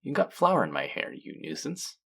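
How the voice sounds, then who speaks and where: A man's voice: a little high, huge pitch swings, moderate pace, gravelly, sharp tone, slightly rough, full character voice. A man playing a teasing, sardonic, flirtatious male faerie in a scripted audio roleplay. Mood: exasperated, sardonic. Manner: sardonic, teasing, drawling with sighs.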